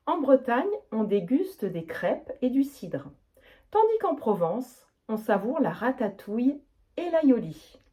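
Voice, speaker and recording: Woman language teacher, deliberate and clear delivery, mellow tone, animated melody. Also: a little high. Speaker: French teacher. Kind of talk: teaching, reading practice answers.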